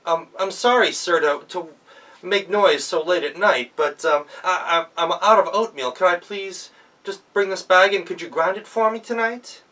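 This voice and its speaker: Man playing a high-voiced, plucky young woman. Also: moderate pace, pushed and bright, recorded from a distance. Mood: polite pleading. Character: brave, polite but determined young woman.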